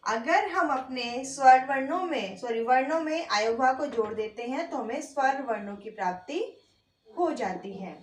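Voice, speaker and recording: High-voiced woman teaching in an echoey room. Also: animated, normal speed. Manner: asks questions and answers them herself, repeats points patiently. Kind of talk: online Hindi grammar lesson.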